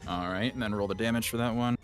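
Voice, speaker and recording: A man's voice: on the low side, steady tone, quick pace, soft background music. A man playing a tabletop game, thinking his moves through aloud with lots of hesitant ums. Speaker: player.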